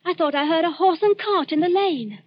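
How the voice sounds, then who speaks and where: A woman's voice: very high-pitched, expressive, fairly quick. A timid, frightened young girl. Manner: meek, pleading, nervous. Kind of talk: 1940s radio acting. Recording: muffled old radio broadcast with faint hiss.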